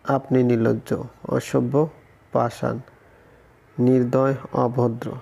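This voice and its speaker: A man's voice: mid-range voice, flat delivery, slow, creaky, mellow, husky, full character voice. A man reading as a feisty shy young heroine. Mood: indignant.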